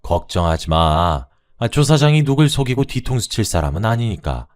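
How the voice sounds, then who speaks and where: A man's voice: on the low side, very animated, normal speed, darkish tone. A man playing a stubborn, overconfident older father-in-law who brushes off his wife's worries, in a radio story. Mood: dismissive.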